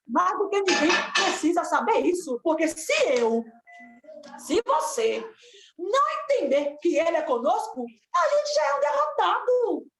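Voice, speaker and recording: Fervent high-voiced woman preaching. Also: sing-song, measured pace, a bit bright, soft background music. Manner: fervent, repetitive exhortation with rising cries. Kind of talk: Pentecostal-style sermon on a live stream. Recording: echoey room with faint noise.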